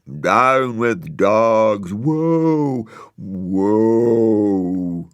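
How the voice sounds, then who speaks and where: A man voicing two gloomy weeping willow trees in a storybook reading, with slow, drawn-out wailing. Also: deep voice, fairly even intonation, vocal fry, dry recording, studio quality, heavily acted. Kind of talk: storybook character voice.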